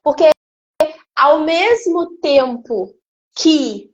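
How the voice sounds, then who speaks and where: A woman, a guest giving an emotional personal testimony in an animated storytelling way. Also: high-pitched, extremely slow, lo-fi sound. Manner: animated storytelling, acting out quoted speech. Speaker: interview guest.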